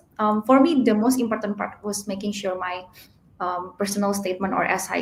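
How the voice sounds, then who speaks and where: A woman speaks at a medium pitch in a somewhat breathy voice. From Indonesia. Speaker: postgraduate marketing student. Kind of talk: panel discussion.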